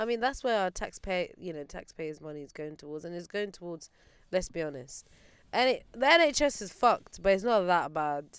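On a very clean recording with a silent background, a woman's voice shows very wide pitch swings and big swings in loudness. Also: medium pitch for a woman, fairly quick pace. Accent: London. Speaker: podcast co-host. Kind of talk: casual chat.

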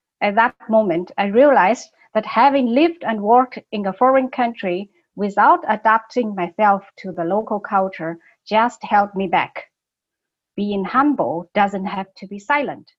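In a Chinese accent, a woman talks at a fairly slow pace with medium pitch, ordinary pitch variation and big swings in loudness. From China, Beijing. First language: Mandarin Chinese. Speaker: business lecturer and intercultural consultant. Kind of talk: interview.

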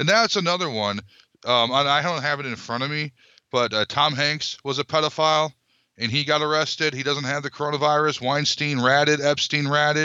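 A man talks at a fairly quick pace in a plain, everyday voice. His pitch is fairly high, with ordinary pitch variation. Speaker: podcast host. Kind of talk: casual chat.

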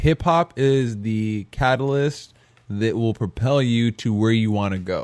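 In a very clean recording with a silent background, a man speaks at a fairly slow pace and a medium pitch. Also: ordinary pitch variation. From southern California suburbs, Pomona area. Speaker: podcast host. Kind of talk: casual chat. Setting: studio.

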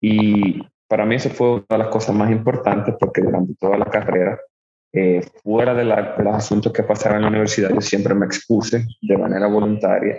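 A man talks in a fairly low voice at a fairly quick pace. His intonation stays monotone and flat. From Dominican Republic, La Romana. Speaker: physician and gym owner. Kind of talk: casual interview.

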